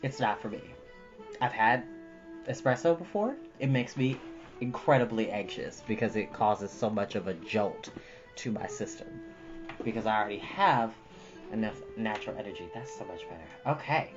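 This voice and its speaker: A livestream host of about thirty chatting casually and exclaiming in an animated, talkative way. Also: medium pitch, normal speed, dull audio. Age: 30s. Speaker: livestream host who reads books aloud. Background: prominent jazz music.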